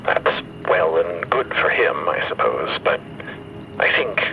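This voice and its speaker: Slow, grieving, earnest machine crewmate. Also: male voice, low voice, sing-song, creaky, dull audio, slight background noise, heavily acted. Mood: hesitant grief. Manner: halting, earnest, formal. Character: gentle, grieving machine crewmate with bellows, eulogizing friends. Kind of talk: solemn eulogy in audio drama.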